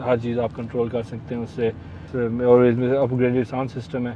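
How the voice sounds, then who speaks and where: Pakistani male guest, mid-pitched, soft and hesitant, slightly dull outdoor recording with faint street hum. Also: completely flat delivery. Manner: soft-spoken, hesitant with fillers. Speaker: car owner, guest. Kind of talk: casual interview answers.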